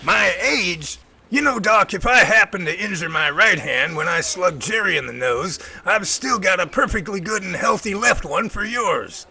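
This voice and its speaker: A man acts out a feisty old professor for an audio drama, tough and full of folksy wisecracks. His voice is high and very lively, with a bright, forceful edge. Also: normal speed, exaggerated voice. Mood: feisty teasing. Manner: folksy, gruff teasing banter.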